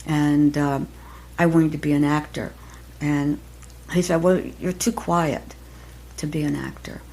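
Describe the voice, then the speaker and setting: An older woman, an acting teacher, talking reflectively in an interview, soft-spoken and halting, with many pauses and restarts. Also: low-pitched, little pitch movement. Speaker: acting teacher, podcast guest.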